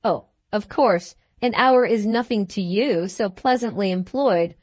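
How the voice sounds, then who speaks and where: A woman's voice: medium pitch, unhurried, darkish tone, no echo, close to an everyday voice. A woman voicing a peevish, self-pitying young husband who speaks in a sulky, sarcastic way in an audiobook.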